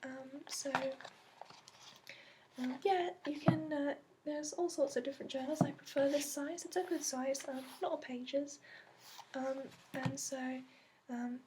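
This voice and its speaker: Woman as fantasy dragonology instructor, very high soft voice, put-on accent, halting, gentle ASMR delivery, audible background noise. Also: close to an everyday voice. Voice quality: soft, often slipping into whisper. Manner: hesitant, explanatory, frequent ums. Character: gentle female instructor briefing new dragon companion recruit. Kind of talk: soft-spoken ASMR roleplay.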